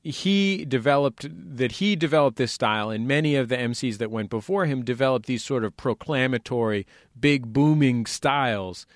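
A man's voice: medium pitch, no echo, clean studio sound. A man hosting an interview, who explains his points at length and laughs easily. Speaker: radio interview host. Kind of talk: interview talk.

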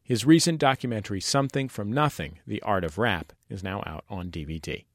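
A man's voice: fairly low pitch, a little fast, no echo, clean studio sound. A man hosting an interview, who explains his points at length and laughs easily. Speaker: radio interview host. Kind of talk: interview talk.

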